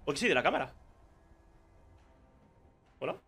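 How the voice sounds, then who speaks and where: A man's voice: fairly high pitch, very animated, normal speed, vocal fry, fairly bright tone, breathy edge. A young man with a Spain Spanish accent giving casual live commentary on his own gameplay, muttering to himself and exclaiming when surprised. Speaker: gaming streamer.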